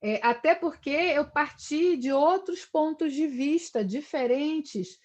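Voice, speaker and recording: A woman's voice: high-pitched, slow pace. A middle-aged woman from Brazil lecturing on history, talking in long discursive runs and tagging her sentences with questions. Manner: discursive, frequent "né?" tags. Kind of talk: live online lecture.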